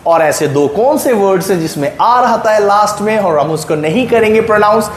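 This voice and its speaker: Male tutor, high register, patient drill-style delivery, roomy recording. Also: animated. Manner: slow, drawn-out word examples with frequent checks like "right?". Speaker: English teacher. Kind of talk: explaining pronunciation rules in a video lesson. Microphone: writing on a board while talking. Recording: echoey room.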